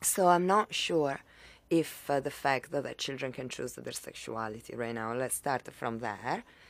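A woman speaks at a moderate pace in an Italian accent. Her very deep, low voice has lively intonation. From Italy. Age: 40s. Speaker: housewife and mother. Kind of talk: casual interview.

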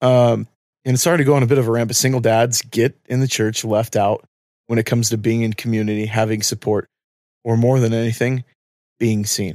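This man has a normal speaking voice at a medium pitch, moving at a fairly quick pace with very even loudness. The recording is very clean with a silent background and a dry, close sound with no echo. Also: fairly even intonation. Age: 30s. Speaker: podcast co-host, single dad. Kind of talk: casual chat.

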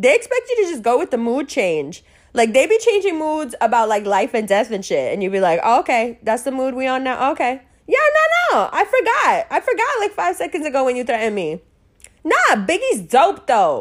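A woman's high, animated voice at a fairly quick pace, with very wide pitch swings and noticeable background noise. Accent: New York. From New York, US. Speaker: podcast host. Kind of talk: casual monologue, solo podcast. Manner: animated, casual, profane.

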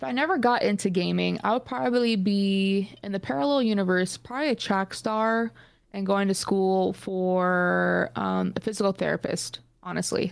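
A woman with an American accent and a plain, everyday voice at a medium pitch and moderate pace, on a very clean recording with a silent background. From Arizona, Phoenix. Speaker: Twitch streamer and gaming content creator. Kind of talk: casual interview chat.

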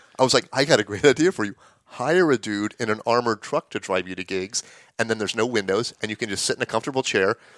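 A man at a very fast pace, with a dry, close sound and no echo. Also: medium pitch for a man, ordinary pitch variation, quiet background. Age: 50s. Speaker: filmmaker. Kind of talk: casual chat. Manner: halting.

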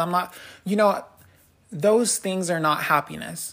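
Fairly even intonation and a fairly low pitch shape a woman's unremarkable speaking voice. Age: 20s. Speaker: solo podcaster. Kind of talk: casual monologue.

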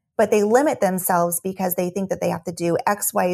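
In a plain, everyday voice, a woman speaks at medium pitch and a moderate pace with ordinary pitch variation, in a very clean recording with a silent background. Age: 30s. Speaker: life coach and prison volunteer. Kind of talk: casual faith conversation.

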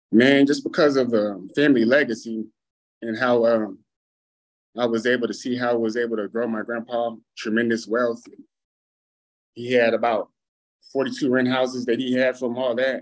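A man with an American accent speaks at medium pitch in a monotone, flat intonation. Long, frequent pauses break up his speech. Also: moderate pace. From Texas, Snyder. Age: 20s. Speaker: cleaning business owner. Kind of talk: interview.

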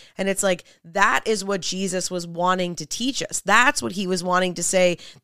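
Recorded very cleanly against a silent background, with a dry, close sound and no echo, a woman speaks in an ordinary speaking voice at medium pitch and a moderate pace. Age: 30s. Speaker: podcast host. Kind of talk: casual chat.

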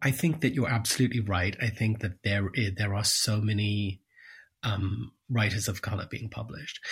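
Recorded very cleanly against a silent background, a man speaks at a moderate pace in a fairly low, somewhat breathy voice with ordinary pitch variation. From Pakistan. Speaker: novelist. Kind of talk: interview.

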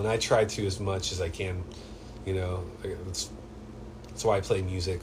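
A man speaks at a very deep, low pitch in a flat monotone. His pace is moderate with long, frequent pauses, and the room echo is audible. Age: 40s. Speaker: podcast host. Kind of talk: casual chat.

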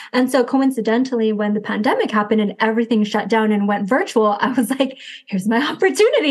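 A woman with a Californian accent at a fairly quick pace. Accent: Californian American. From Los Angeles, US. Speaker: reality TV contestant. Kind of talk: casual interview.

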